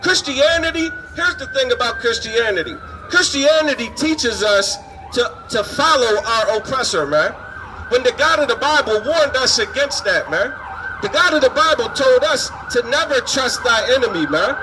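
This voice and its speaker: A man's voice: very high-pitched, animated, moderate pace. A man street preaching in an emphatic, indignant way, often punctuating his phrases with "man" and "you understand". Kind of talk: fiery street sermon. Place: outdoors on a city street. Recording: outdoor street noise, passing vehicles.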